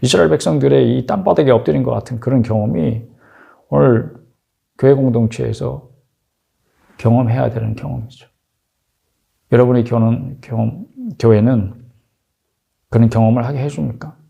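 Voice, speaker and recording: A man's voice: medium pitch, moderate pace, gravelly, long pauses, dark tone. A man preaching a sermon as pastor, exhorting his congregation with rhetorical questions.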